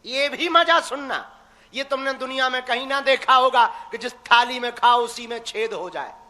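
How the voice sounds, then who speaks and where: The young man's very high-pitched voice sounds pushed and bright, moving at a moderate pace as he preaches live to a crowd. He exhorts his audience in a teasing, folksy way, with echoey hall reverb around him.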